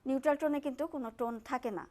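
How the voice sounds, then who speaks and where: A woman co-hosting a TV language class, explaining each point clearly. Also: high voice, steady tone, rapid-fire, darkish tone. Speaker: co-host and interpreter.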